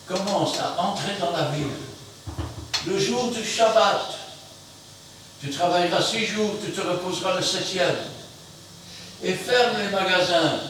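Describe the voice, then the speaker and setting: A man preaching an emphatic sermon, swinging between loud outbursts and quiet asides. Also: sits high. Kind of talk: fiery sermon. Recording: very echoey room, mic far off, faint noise.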